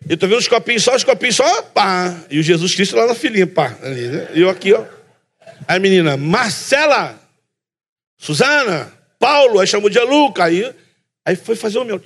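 A man with a Carioca accent preaching a sermon, telling a story with lively energy and acting out both sides of the talk, often calling the listeners brother. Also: high-pitched, moderate pace, breathy edge. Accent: Carioca Brazilian Portuguese. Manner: calls the listeners "brother" again and again. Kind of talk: sermon with a funny personal story.

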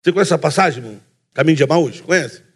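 A Brazilian preacher from Rio, male, with a high, husky voice and a Carioca accent, speaks rapid-fire through a sermon featuring a funny personal story. He animates the tale by playing both sides of a conversation and repeatedly calls listeners "brother."

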